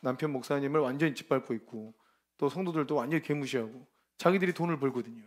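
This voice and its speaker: This male preacher's sermon at a ministry training is spirited and relaxed, full of emphasis, everyday language, and bursts of laughter. He speaks at a medium pitch and a brisk pace.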